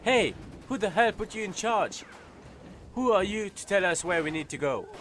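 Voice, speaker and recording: A man's voice: sits high, lively intonation, normal speed, fairly bright tone, slight background noise. A man playing a wary, complaining young club-goer in a zombie audio drama. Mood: indignant. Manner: argumentative.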